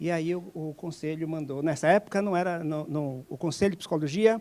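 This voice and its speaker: With a very clean recording and a silent background, a man talks in a high voice whose pitch moves in a normal way. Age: 70s. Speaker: hypnotherapist and psychologist. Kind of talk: lecture. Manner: halting.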